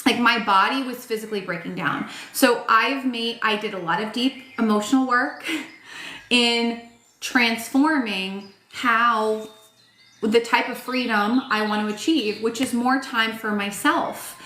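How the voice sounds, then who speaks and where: A woman's voice: a little high, measured pace, pushed and bright, reverberant. A woman in her thirties giving a casual tarot reading, talking frankly with lots of filler words, her voice tired and starting to crack. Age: 30s. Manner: frank, chatty, swears, lots of "like" and "um". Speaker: tarot reader.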